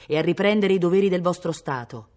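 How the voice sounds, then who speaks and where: A woman reading as a stern old nobleman, low-voiced and heavy with disappointment. He speaks gravely, scolding his son with formal, bitter reproach. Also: quick pace, a little mellow, lightly acted. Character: stern aristocratic father, an older baron.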